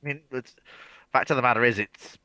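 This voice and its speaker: A man with a bright, forward voice and mid-range pitch talks casually on a live panel. He probes with questions and restarts often, on a very dry recording. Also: a little fast, smooth, no echo.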